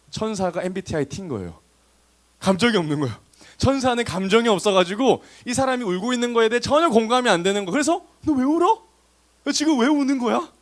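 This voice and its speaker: Animated man preaching a sermon. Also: on the high side. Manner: animated, asks the congregation rhetorical questions. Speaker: youth pastor. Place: church service.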